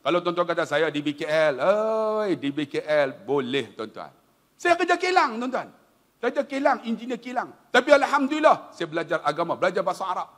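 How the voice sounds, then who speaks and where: Speaking high and a little fast, this middle-aged Malaysian Malay-accented preacher gives a funny religious talk. Through lively storytelling, he repeatedly turns to the audience, calling them tuan-tuan.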